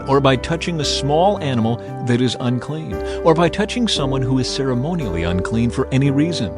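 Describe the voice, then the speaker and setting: A man narrating scripture as a dramatized audio reading, solemn, measured and authoritative in his delivery. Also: mid-range voice. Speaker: Bible narrator.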